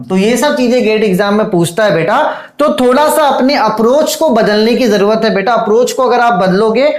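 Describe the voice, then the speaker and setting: Intense male teacher with a fairly high voice, fatherly and loud, in an echoey room. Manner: loud, intense, fatherly, calls students "beta"; dictates definitions slowly word by word. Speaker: engineering teacher. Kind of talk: exam-prep lecture.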